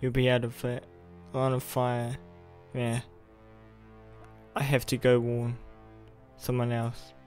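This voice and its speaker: A man's voice: medium pitch, completely flat delivery, slow, pauses often, darkish tone, faint music behind, lightly acted. A young man playing an awkward, earnest college student who is secretly a superhero, in a roleplay audio with hesitant delivery. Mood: urgent.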